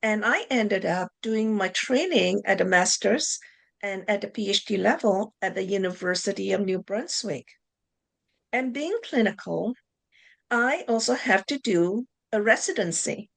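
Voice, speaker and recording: A woman's voice: medium pitch, measured pace, gravelly, a bit bright. Middle-aged woman professor on a video call. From Malaysia. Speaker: professor of clinical psychology. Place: home office with bookshelves. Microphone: video call webcam.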